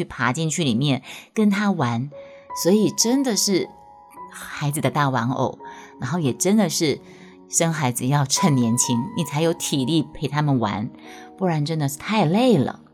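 Low-voiced Taiwanese Mandarin woman storyteller. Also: a little mellow. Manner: playful, self-mocking storyteller. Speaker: podcast host. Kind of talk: reading her own personal essay with chat.

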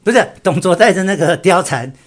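A man, co-hosting a casual chat and animatedly retelling a classic novel. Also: high voice. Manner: animated, drops into quick acted quotes. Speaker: podcast co-host.

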